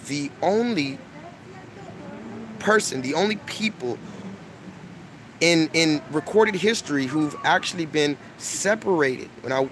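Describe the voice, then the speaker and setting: Man, young adult, emphatic and repetitive, lecturing to camera, phone mic, noisy outdoors. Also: fairly high pitch. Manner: emphatic, repeats himself, lectures. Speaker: online video host. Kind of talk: preachy casual monologue. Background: street noise, crying children.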